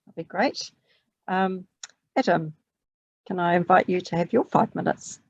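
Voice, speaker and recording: A woman's voice: lowish voice, a little slow, creaky, no echo, highs cut off. A woman chairing a committee meeting, speaking briefly and politely to move things along.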